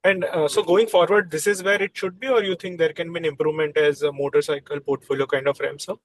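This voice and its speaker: A male analyst asks about quarterly results, politely and with some hesitation. His voice sits a bit higher than average. The sound is close and dry, with no room echo around it. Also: fairly even intonation, fast. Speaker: financial analyst asking questions. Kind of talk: conference call question.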